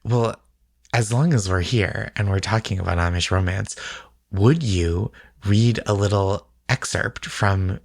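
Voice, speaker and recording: Low, creaky man chatting casually. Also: unhurried, no echo, studio quality. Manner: supportive, appreciative. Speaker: podcast co-host and listener. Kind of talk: casual chat, asking questions.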